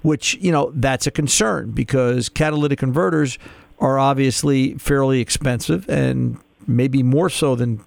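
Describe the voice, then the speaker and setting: A man's voice: medium pitch, unhurried, vocal fry, no echo. A man hosting a call-in radio car show, chatty and explaining patiently, with frequent restarts.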